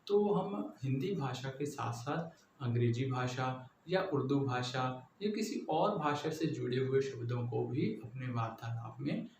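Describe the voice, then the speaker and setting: A man's voice: mid-range voice, animated, unhurried, darkish tone. A man from Punjab with a Punjabi accent gives a patient classroom lecture, explaining step by step and often checking that his listeners follow. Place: classroom with a board. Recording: echoey room, faint background noise.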